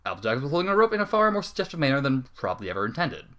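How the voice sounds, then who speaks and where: A man's voice: medium pitch, big pitch swings, rapid-fire, sharp tone. A man reading a comic fan story aloud as a dramatic narrator. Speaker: story reader.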